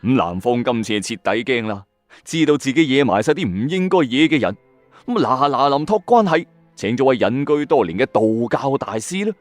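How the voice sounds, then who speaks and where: A man's voice: mid-range voice, lively intonation, moderate pace, no room sound. A man with a Hong Kong Cantonese accent hosting and narrating a dramatic, suspenseful late-night ghost story in a colloquial way, with exclamatory asides. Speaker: host of a ghost story audio channel. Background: background music.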